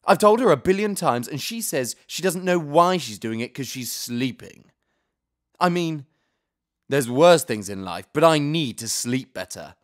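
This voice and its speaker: A man's voice: on the high side, big pitch swings, measured pace. A male actor playing a weary young man who complains in an exasperated way about losing sleep.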